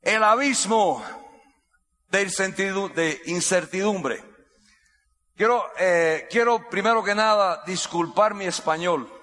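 Bright high-voiced man, echoey hall. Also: takes it slowly. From United States. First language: English. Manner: repeats key phrases, vivid gestures, builds suspense. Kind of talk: dramatic storytelling speech.

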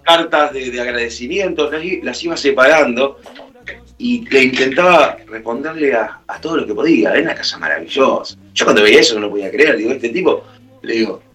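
A musician being interviewed, a man with a Rioplatense Spanish accent, shares a heartfelt story and performs the dialogue within it. He speaks briskly in a somewhat bright, medium-pitched voice, recorded on a distant mic with faint music behind.

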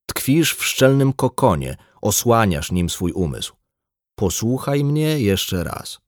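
A man voicing a blunt, embittered, drunk male doctor in an audiobook, gruff and lecturing. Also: lowish voice, big pitch swings, slow pace, no room sound, studio quality. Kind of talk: audiobook dialogue.

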